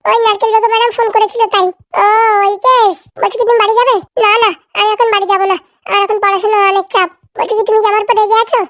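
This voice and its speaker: খুব সরু, চড়া গলার কার্টুন ছোকরা. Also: female voice, very high-pitched, little pitch movement, rapid-fire, fairly bright tone, no echo, clean studio sound. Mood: pleading, sulky. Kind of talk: comedy cartoon dialogue.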